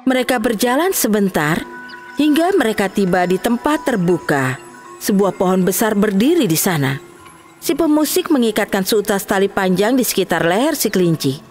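A woman narrating a children's storybook cartoon with clear, expressive delivery. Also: mid-range voice, normal speed, faint music behind.

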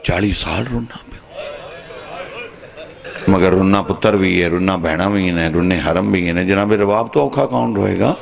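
A Pakistani man with a low, creaky voice delivers an impassioned majlis sermon at normal speed, his tone swinging between dramatic rises and sudden drops. He is a zakir preaching to mourners seated in a large tent, and crowd noise from the gathering can be heard.

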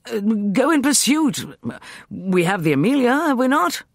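A man's voice: high voice, expressive, moderate pace, fairly bright tone, no room sound, studio quality, voice pushed up. A man voicing a mild scholarly Englishman who has turned peevish and agitated.

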